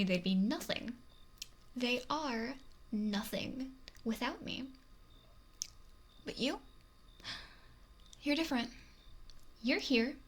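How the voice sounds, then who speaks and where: A woman voicing a possessive, lonely, wealthy female mafia boss in a whispery, breathy, domineering ASMR roleplay, close to the microphone. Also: mid-range voice, exaggerated voice. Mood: resentful, then possessive, yearning. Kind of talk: intimate ASMR roleplay monologue. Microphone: close binaural microphone. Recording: noisy close binaural whisper recording.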